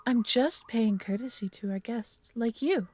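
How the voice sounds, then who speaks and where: A woman's voice: fairly high pitch, measured pace, darkish tone. A woman playing a proud, flirtatious female dragon in a fantasy audio drama, theatrical and teasing with grand wording. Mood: suave, teasing. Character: proud female dragon guardian, suave, flirtatious, quick to offense. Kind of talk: fantasy audio roleplay acting.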